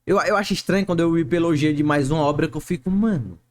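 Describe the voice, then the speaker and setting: A man's voice: on the high side, fast. A man with a Brazilian Portuguese accent, co-hosting and chatting casually about a video with blunt comments. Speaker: co-host reacting to the video. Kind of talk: casual reaction chat.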